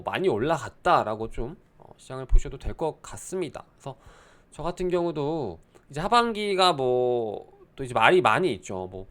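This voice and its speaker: A man's voice: mid-range voice, a bit bright. A young man giving casual crypto market commentary, explaining at length with many hesitant fillers. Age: young adult.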